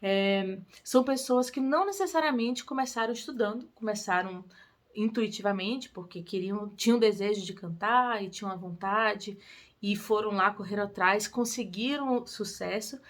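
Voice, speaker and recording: A young adult woman, a singing teacher giving casual advice to camera in a lively, encouraging way. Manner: lively and encouraging, with quick pitch lifts on emphasis. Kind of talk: casual tutorial talk to camera.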